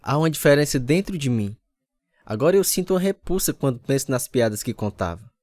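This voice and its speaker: In this scripted radio drama set to acoustic guitar, an actor in his 30s serves as narrator and lead, telling a repentant husband's conversion story in the first person with earnest, confessional delivery. He speaks briskly at medium pitch, expressive and a little mellow, lightly acted, in a dry, studio-quality recording.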